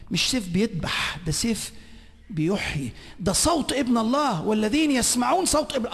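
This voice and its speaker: A man with an Egyptian Arabic accent preaching a sermon at a conference, swinging between shouting and hushed whispers. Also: extremely high pitch, gravelly, long reverb tail. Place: large conference hall.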